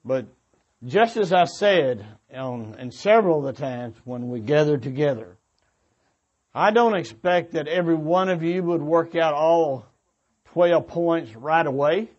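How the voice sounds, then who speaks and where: A man with a somewhat high voice gives an informal sermon in an earnest, exhorting way. He moves haltingly through his points, repeating and rephrasing as he goes. The recording is dull and a little muffled. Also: animated, a little mellow. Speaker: preacher addressing young adults at a church gathering.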